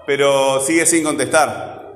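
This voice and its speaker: A man's voice: mid-range voice, fairly even intonation, unhurried. A male teacher who teaches a class and keeps repeating his questions to prompt his students. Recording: echoey hall, faint background noise.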